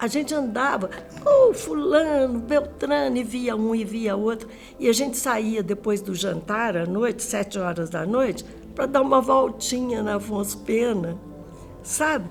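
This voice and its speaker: Noticeable background noise fills the recording. The talking goes at a fairly slow pace. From Brazil, Minas Gerais (Belo Horizonte). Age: 70s. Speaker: social worker. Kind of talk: life story interview.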